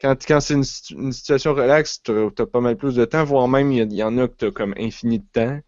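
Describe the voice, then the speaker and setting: A man's voice: medium pitch, quick pace, a little mellow, no echo, highs cut off. A man with a Quebec French accent chatting casually on a podcast, rambling with restarts and fillers. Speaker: podcast co-host. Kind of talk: casual chat.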